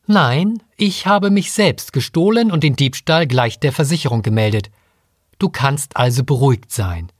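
A man's voice: mid-range voice, expressive, moderate pace, no echo, studio quality, lightly acted. A man voicing a cheerful, cocky male robot chimpanzee who talks in a breezy, cheeky way.

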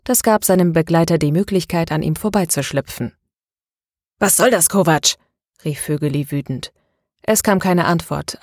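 A woman narrating a novel in a steady, measured reading. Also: deep voice, no echo, clean studio sound. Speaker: audiobook narrator. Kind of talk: scripted narration.

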